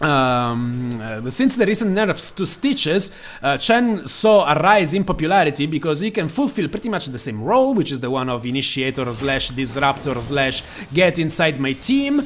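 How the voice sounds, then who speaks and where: With an Italian accent and very wide pitch swings, the speaker keeps a moderate pace with hardly any pauses over noticeable background noise. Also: man, fairly high pitch for a man. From Italy. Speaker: gaming video creator. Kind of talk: live gameplay commentary.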